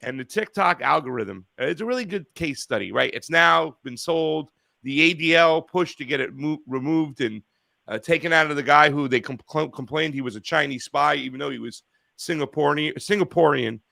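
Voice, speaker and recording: A man hosting a call-in talk show, chatting casually, rambling and profane, getting loud and animated when he rants. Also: on the high side, normal speed, vocal fry, no room sound. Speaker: radio show host.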